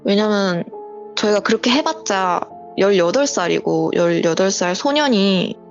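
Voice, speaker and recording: A woman's voice: mid-range voice, expressive, a little slow. Woman on a muffled call telling a story. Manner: vivid, breathless retelling that acts out quoted lines. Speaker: viewer sharing a true story by voice call. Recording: muffled voice call with faint music.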